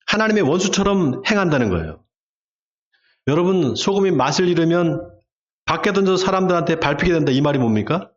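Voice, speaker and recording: Animated Korean pastor preaching. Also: male voice, on the high side, highs cut off. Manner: acts out shouted quotes in sudden bursts. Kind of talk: sermon. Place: church sanctuary.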